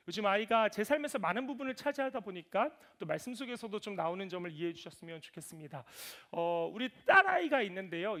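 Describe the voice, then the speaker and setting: A man in his thirties preaching a sermon in church, telling lively family stories and acting out voices. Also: high-pitched. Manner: animated storytelling, voices his toddler and himself. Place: church sanctuary.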